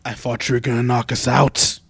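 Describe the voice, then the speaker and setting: A man's voice: medium pitch, level tone, a little fast, creaky. A man doing casual let's play commentary as a game streamer, sometimes reading dialogue choices aloud. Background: game music.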